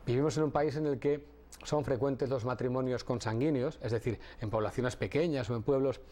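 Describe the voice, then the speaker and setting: A middle-aged man from Catalonia speaks as a guest on a television talk show. His pitch sits in an ordinary middle range. He explains things in a measured, patient way and sometimes restarts a phrase. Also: dark tone. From Catalonia, Spain. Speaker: audiologist guest. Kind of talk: TV interview.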